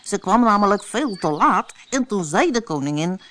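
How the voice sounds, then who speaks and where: A woman voicing the jittery male White Rabbit, speaking in a hushed, hurried way. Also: medium pitch, animated, slight background noise, voice pushed up, natural voice.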